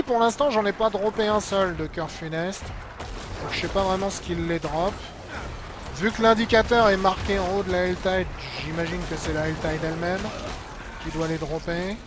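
A man giving casual, colloquial, mildly sarcastic live commentary as a game streamer. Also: fairly high pitch. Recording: game sound clearly behind voice. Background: video game noise and ambience.

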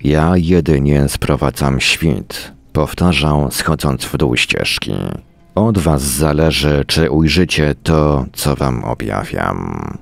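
Very deep, gravelly man reading slowly. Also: no room sound, faint music behind. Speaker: reader. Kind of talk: dramatic literary reading.

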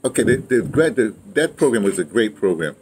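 A man of around seventy, a veteran of theater and radio drama, reminisces casually in an interview outdoors in a yard beside a house. His lowish voice has big pitch swings, and he rambles haltingly, circling back to his point. The outdoor ambient noise is captured clearly.

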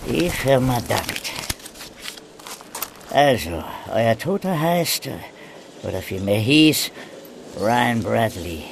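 An actor playing a sly, greedy police informant in a crime radio play, mocking, cocky and always haggling. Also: male voice, medium pitch, sing-song, slow pace, creaky, long pauses, a little hiss or hum, heavily acted. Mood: smug, businesslike.

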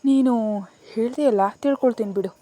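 A woman voicing a young male lover who teases and turns angry quickly in a romance story. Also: a little high, warm tone, close to an everyday voice. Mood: teasing. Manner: teasing, scolding.

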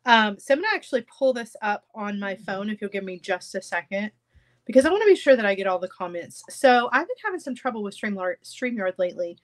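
A woman's voice: mid-range voice, fast talker. A woman in her thirties with a stuffy, congested voice, chatting casually with viewers from her home craft room. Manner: chatty, animated, gestures with hands. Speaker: jewelry-making livestream host. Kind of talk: casual live chat with viewers.

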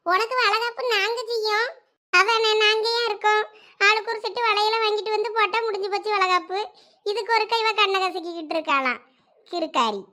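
A woman's voice: very high voice, pushed and bright. A woman playing a bossy but caring village elder sister, teasing and scolding in a Thoothukudi Tamil accent. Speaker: actor in a village comedy skit. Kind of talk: village comedy skit acting.

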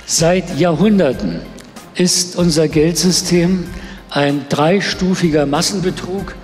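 An older man giving a lecture at a desk microphone, with a slow, emphatic delivery. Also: on the high side, a little mellow, big-room sound, soft background music. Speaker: conference speaker. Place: seated at a desk in a studio.

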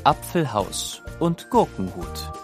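A man narrating a scripted children's story in an expressive, deliberate storytelling manner. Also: fairly high pitch. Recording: studio narration over music. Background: music.

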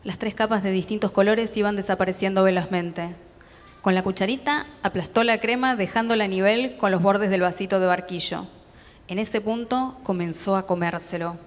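A woman with a Rioplatense accent reads literary fiction aloud at a festival, steady and measured. Her voice sits at an ordinary middle pitch, and a long hall reverb trails after each sentence. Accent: Rioplatense Spanish. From Argentina.

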